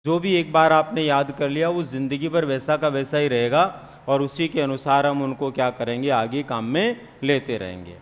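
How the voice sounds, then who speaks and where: A man's voice: medium pitch, moderate pace, clean tone, big-room sound. A man teaching psychology in a live classroom lecture, questioning students and answering his own questions, sometimes teasing them.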